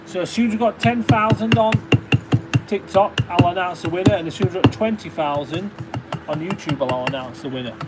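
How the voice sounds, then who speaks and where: A man's voice: high-pitched, fairly quick, loud music behind the voice, rough recording. A man with a Derbyshire accent chatting casually on a livestream, thanking viewers and reading out their names. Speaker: livestreaming stone carver. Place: workshop.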